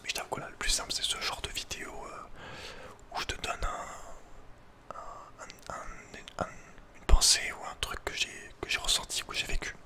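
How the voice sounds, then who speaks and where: A man whispering an informal, personal ASMR talk as host, in a hesitant, halting way. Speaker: ASMR video creator and host.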